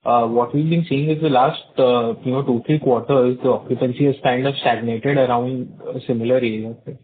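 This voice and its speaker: A man's voice: mid-range voice, steady tone, brisk. A man politely and somewhat hesitantly asking questions as an analyst on a conference call. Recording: narrow phone line, faint noise.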